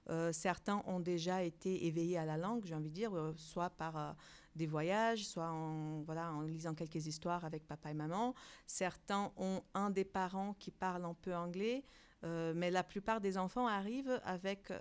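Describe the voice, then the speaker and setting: A woman who directs a bilingual preschool answers interview questions, pausing often with fillers and restarts. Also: fairly low pitch. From outside Europe. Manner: hesitant, many fillers and restarts.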